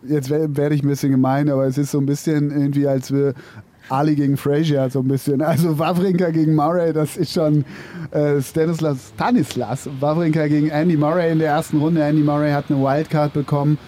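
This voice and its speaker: A man's voice: a little high, level tone, fairly quick, mellow. A man co-hosting a tennis talk show, chatting casually with frequent laughs and fillers. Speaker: tennis podcast co-host. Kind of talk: casual chat.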